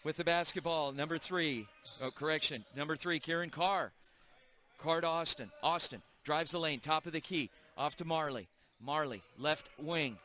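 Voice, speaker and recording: High pitched guy doing play by play at a school game, bright sharp voice, brisk. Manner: brisk, energetic call of the action. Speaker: play-by-play announcer. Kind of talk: live high school basketball commentary.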